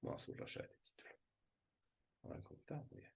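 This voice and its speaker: A man with a Rioplatense Spanish accent teaching a recorded math lesson, thinking aloud and repeating words slowly as he writes. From Argentina. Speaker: math tutor.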